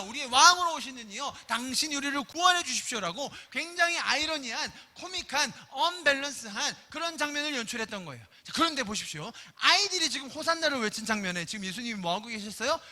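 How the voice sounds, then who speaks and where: A man in his thirties preaching a sermon as pastor, telling stories in an animated way and acting out the voices. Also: very high-pitched. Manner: animated storytelling, acts out voices. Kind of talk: Korean sermon. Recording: reverberant church hall.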